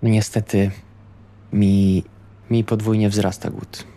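A man's voice: lowish voice, level tone, takes it slowly, dark tone. A man talking casually as a player in a tabletop roleplaying game. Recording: faint background ambient noise.

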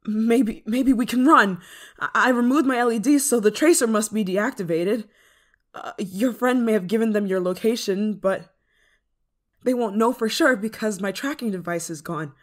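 A woman's voice: fairly high pitch, natural voice. Woman acting as a clingy, desperate android lover. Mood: pleading, possessive. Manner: hesitant, halting, emotionally intense delivery. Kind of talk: ASMR roleplay drama monologue.

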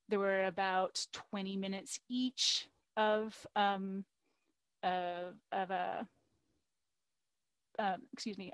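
A middle-aged woman author giving an academic book talk, speaking in a measured, partly read way with frequent "um" fillers. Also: medium pitch, clean tone, no echo. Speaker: author presenting her book.

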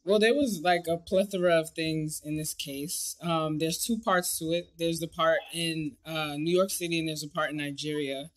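An American woman speaks as a guest director on a video call. Her voice is on the low side for a woman, and she tells personal stories in an animated, informal way. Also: normal speed, few pauses. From United States. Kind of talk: casual personal storytelling. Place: indoor room on a video call.

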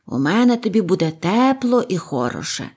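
A woman voicing a kind, sorrowful old grandfather who speaks gently and quietly. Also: mid-range voice, sing-song, moderate pace, slightly rough. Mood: gentle.

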